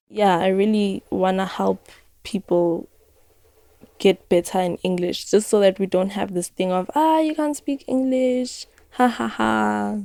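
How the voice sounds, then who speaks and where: Her voice dark and mellow, a woman speaks at a fairly slow pace and medium pitch with very wide pitch swings. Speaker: interviewee, sister. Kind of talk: casual chat. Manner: animated.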